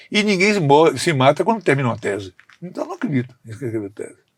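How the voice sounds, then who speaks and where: A man speaks at a fairly quick pace. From Bahia, Brazil (Santo Amaro). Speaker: musician. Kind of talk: interview. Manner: halting.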